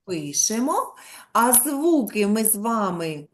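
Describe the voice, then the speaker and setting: A woman primary school teacher giving an online lesson to young children. She dictates slowly, stretches out words and sounds out letters one by one, and keeps prompting the pupils with questions. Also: medium pitch, sing-song. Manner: drawn-out, slow dictation, sounding out letters and syllables.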